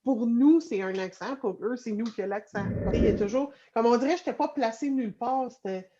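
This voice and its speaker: A woman's voice: on the high side, brisk, background noise. Franco-Ontarian woman, casual group talk, rambling delivery, dull recording. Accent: Franco-Ontarian French. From Ontario, Canada. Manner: rambling, many restarts and fillers. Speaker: guest in group discussion. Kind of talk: casual conversation.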